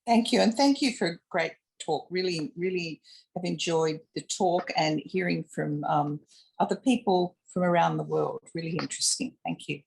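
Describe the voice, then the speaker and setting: A woman's voice: lowish voice, normal speed, gravelly, a little mellow, a little hiss or hum, low-quality recording. An Australian woman asking a reflective question on a video call, thinking aloud with fillers. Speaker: audience member asking a question. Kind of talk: online panel discussion.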